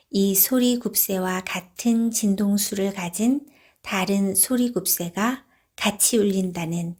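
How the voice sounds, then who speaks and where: A woman reading a book aloud as narrator in a soft, hushed, gentle voice that turns whispery at moments. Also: mid-range voice.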